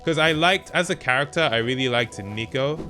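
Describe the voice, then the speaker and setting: A man's voice: mid-range voice, brisk, over music, poor audio. A man streaming a game with casual commentary, thinking aloud in mild slangy exclamations. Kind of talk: casual let's play commentary.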